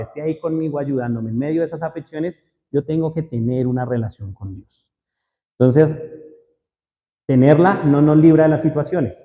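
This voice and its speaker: Preacher, male, fairly high voice, questions the crowd often; dull recording in an echoey hall. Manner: asks the audience frequent questions. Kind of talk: sermon to a congregation. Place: church hall. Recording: roomy hall echo, dull lo-fi sound.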